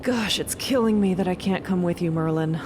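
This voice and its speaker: A woman plays an earnest male scientist in a fiction podcast. The voice sits a little low and sounds reflective and heartfelt, with clear ambient noise underneath. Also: moderate pace, close to an everyday voice. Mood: wistful, grateful. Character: earnest, wistful male scientist moved by exploration.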